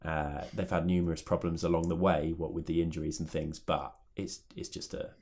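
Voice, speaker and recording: Man, podcast host, very low voice, casual chat, mutters at line ends. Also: little pitch movement, a little fast, a little mellow.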